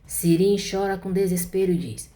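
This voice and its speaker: A woman narrating a soap-opera recap in an even storytelling manner. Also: mid-range voice, normal speed.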